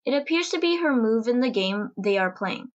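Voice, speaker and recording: A woman's voice: fairly high pitch, lively intonation, moderate pace, lo-fi sound. A woman reading scripted narration for an audio drama.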